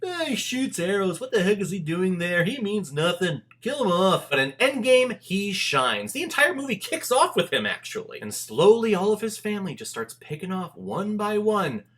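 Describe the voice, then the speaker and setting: A male movie reviewer speaks in a fairly high, bright voice with a sharp edge. His pitch swings widely as he gushes with enthusiasm. He leans hard on key words and pauses dramatically for effect. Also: sing-song. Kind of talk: enthusiastic video review commentary to camera.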